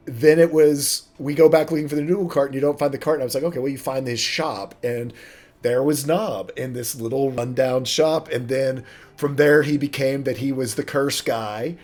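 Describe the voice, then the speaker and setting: A man's voice: mid-range voice, fairly even intonation, moderate pace, a little mellow. A man who runs a tabletop game, talking casually with his players and rambling through plenty of fillers and self-deprecating asides. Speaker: game master. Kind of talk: casual cast chat about a tabletop game.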